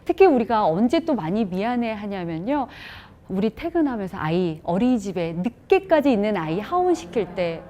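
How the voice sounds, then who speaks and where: Brief: lively female parenting lecturer, warm mellow voice, rhetorical questions to the audience. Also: medium pitch, moderate pace. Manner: animated, rhetorical questions, acts out scenes. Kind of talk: lecture to working mothers.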